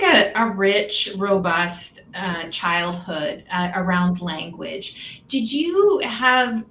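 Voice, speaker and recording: A woman's voice: medium pitch, a bit bright, reverberant, lo-fi sound, slight background noise. A woman hosting an interview who asks a question hesitantly, searching for her words. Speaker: host.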